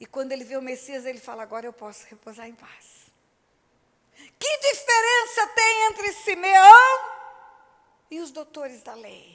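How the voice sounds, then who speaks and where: Her pitch rises and falls in very wide swings. This woman keeps a fairly slow pace. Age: 60s. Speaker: pastor. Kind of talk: sermon. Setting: church.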